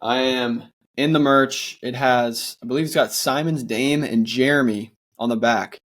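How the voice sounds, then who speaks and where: A man's voice: medium pitch, fairly even intonation, unhurried, fairly bright tone. A man co-hosting a casual sports podcast, talking earnestly with a sore throat and plenty of fillers. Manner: earnest, rambling with many fillers and restarts. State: sore throat, voice sounds worn. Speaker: podcast co-host.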